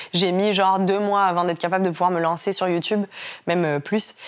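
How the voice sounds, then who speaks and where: Talking at a very fast pace, a woman is heard. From France, Nice. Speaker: YouTuber. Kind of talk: interview. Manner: hesitant fillers.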